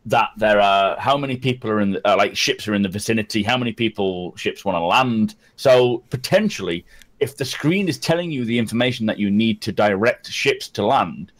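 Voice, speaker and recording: A Scottish man hosting a casual gaming podcast, animated, laughing often and acting out quoted lines. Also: fairly low pitch, fairly quick. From Scotland. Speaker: podcast host.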